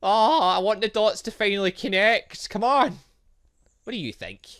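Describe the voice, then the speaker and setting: A man's voice: high voice, moderate pace, a bit bright, smooth. A man hosting a game playthrough, reading dialogue aloud and commenting in a theatrical, exclamatory way. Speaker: gaming video host.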